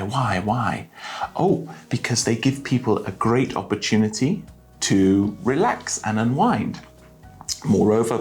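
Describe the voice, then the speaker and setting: A man teaching a spoken English lesson with enthusiasm, praising each useful phrase and speaking clearly and deliberately. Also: lowish voice, darkish tone.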